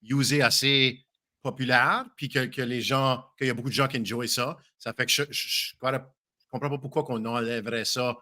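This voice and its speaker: Man, podcast guest, bright tone, franglais, hesitant. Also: mid-range voice, fairly even intonation, moderate pace. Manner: mixes English into French, self-conscious, hesitant. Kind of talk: casual podcast chat.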